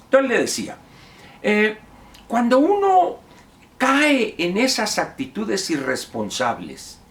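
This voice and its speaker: A man's voice: fairly high pitch, vocal fry, a bit bright. A man with a Mexican accent giving a lecturing monologue of commentary, posing rhetorical questions to the viewer. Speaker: political commentator.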